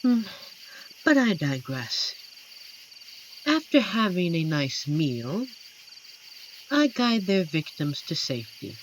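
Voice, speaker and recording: A woman voicing an amiable, playful female werewolf who guards a forest, in a scripted audio roleplay spoken to the listener with a teasing, chatty manner and dramatic pauses. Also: on the low side, sing-song, a little hiss or hum, low-quality recording. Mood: cheerful, chatty.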